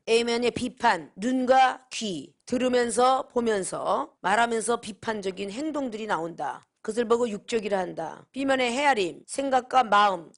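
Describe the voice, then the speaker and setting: A middle-aged woman who heads a seminary gives a preaching-style lecture, emphatic and full of rhetorical questions. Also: on the high side. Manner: emphatic, asks rhetorical questions, acts out quoted dialogue.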